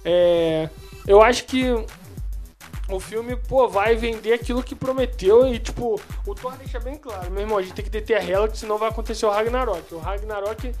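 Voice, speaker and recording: A man's voice: high-pitched, normal speed, a little mellow, faint music behind. A man co-hosting a casual podcast, ranting in slang, swearing and laughing. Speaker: podcast co-host. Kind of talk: casual nerd podcast chat.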